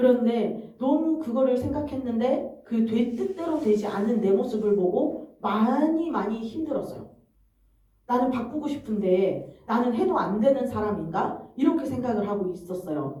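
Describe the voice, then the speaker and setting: Her delivery is fairly slow, the woman's fairly high voice rising and falling with lively intonation. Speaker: preacher (evangelist). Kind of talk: sermon. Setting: church.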